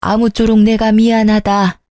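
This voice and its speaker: A woman voicing a remorseful older mother-in-law who coos over her new granddaughter and gruffly apologizes. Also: mid-range voice, level tone, moderate pace, a little mellow, no room sound, studio quality, close to an everyday voice. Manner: doting baby talk, then gruff apology.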